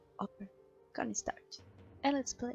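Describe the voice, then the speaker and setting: A woman talks in a high voice. Music plays in the background. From France. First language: French. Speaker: let's play gamer and writer. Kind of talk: let's play commentary. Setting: home recording late at night. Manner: halting.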